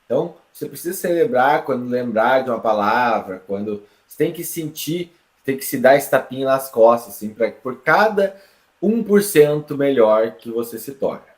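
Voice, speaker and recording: A Brazilian man teaches an online lesson with a voice of middling pitch. His delivery is lively and explanatory, full of quick checks on the listener. The room around him gives a clear echo. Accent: Brazilian Portuguese. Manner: lively, explanatory, with frequent tag questions. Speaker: English teacher.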